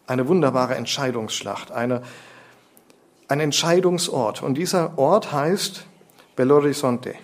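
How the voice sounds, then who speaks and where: A man preaching a sermon, lecturing with rhetorical questions and slowing down to stress key phrases. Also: medium pitch.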